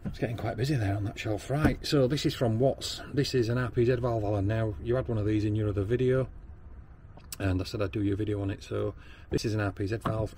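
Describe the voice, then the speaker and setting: A Northern English plumber and backflow tester with a fairly low-pitched voice explains a plumbing job step by step during a hands-on training demo at a workshop bench. He often ums and restarts, and background noise can be heard.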